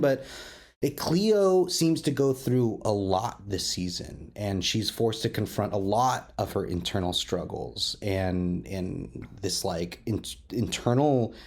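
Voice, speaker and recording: A man's voice: lowish voice, creaky, darkish tone. A man hosting a roundtable discussion, talking enthusiastically and often repeating or rephrasing mid-sentence. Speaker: podcast host and interviewer.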